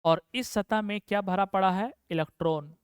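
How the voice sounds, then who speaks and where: A man teaches physics for a board exam. He keeps throwing questions at his students and answering them himself, and slows down to repeat terms for notes. His voice is smooth and clear, recorded dry and close. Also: sits high, no echo. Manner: asks the class a question, then answers it himself; repeats key terms slowly for dictation. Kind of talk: exam-prep physics lesson.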